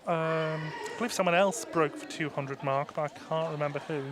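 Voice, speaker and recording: A man's voice: a little high, fairly even intonation, a little fast, background noise. A man with a Welsh accent doing live roller derby commentary on a headset, chatty and self-mocking, sharing anecdotes between plays.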